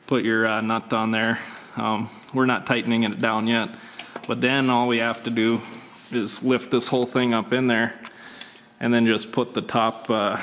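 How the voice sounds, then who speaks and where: A man's voice: medium pitch, a bit bright. A laid-back man with a mid-range voice talks through a DIY mechanical job step by step in a plain, easygoing way. His voice rings with a long reverb from a garage workshop, and faint noise sits underneath. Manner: laid-back, plain-spoken, frequent uh fillers. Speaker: channel host. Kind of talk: casual DIY how-to walkthrough.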